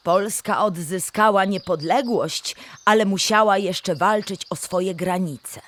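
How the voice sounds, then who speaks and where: A woman's voice: mid-range voice, a little slow, close to an everyday voice. A woman playing a friendly female cartoon animal who explains history in a children's audio drama, speaking with careful enunciation. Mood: explanatory.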